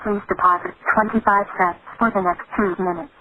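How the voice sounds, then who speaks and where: A woman's prerecorded announcement heard over a payphone line, measured and evenly spaced. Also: mid-range voice, fairly even intonation. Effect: recorded message heard over a payphone line. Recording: tinny phone line with loud hiss.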